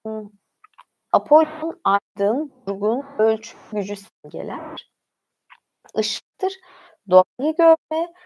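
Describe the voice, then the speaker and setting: A woman's voice: fairly high pitch, poor audio. A woman hosting a livestream, reading aloud and adding informal, conversational asides as she goes. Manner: informal, conversational, often pausing to comment. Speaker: livestream host reading about mythology.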